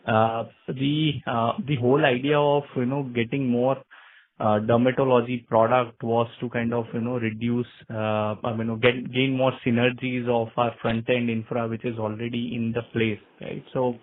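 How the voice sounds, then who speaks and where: A man asking business questions as an analyst on a phone call, polite and halting in his delivery. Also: medium pitch, little pitch movement. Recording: tinny narrowband phone line.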